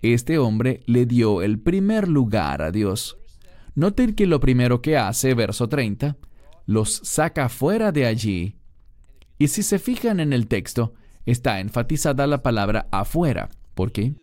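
A man's voice: mid-range voice, very animated, measured pace, darkish tone, no echo. A man teaching a Bible passage on a recorded program, asking his listeners questions as he explains.

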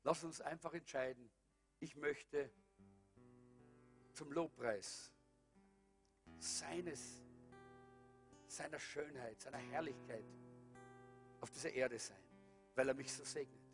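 A man's voice: mid-range voice, slow pace, pauses often, soft background music. A man preaching a sermon that ends in prayer, fervent and calling out hallelujah again and again. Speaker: pastor.

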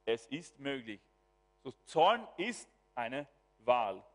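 A man preaching a sermon as pastor, swinging from quiet asides to loud exclamations. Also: medium pitch, big pitch swings, slow. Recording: long hall reverb.

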